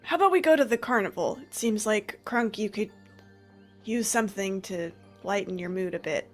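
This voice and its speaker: A woman roleplaying her character at a tabletop game, curious and quick with questions. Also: medium pitch, faint music behind. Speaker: player.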